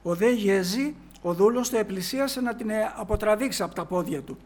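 A man preaching in a storytelling way, reading old scripture verses slowly and then explaining them in everyday speech, with many "he says" asides. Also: high-pitched, a little mellow. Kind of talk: sermon retelling a Bible story.

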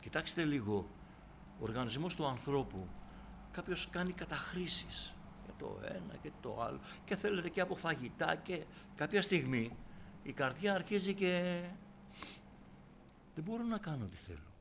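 A man preaching a sermon to his congregation, dropping to hushed asides and then rising into loud, impassioned exhortation. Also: fairly high pitch, sing-song, creaky, a little hiss or hum. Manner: keeps addressing listeners as brothers and sisters.

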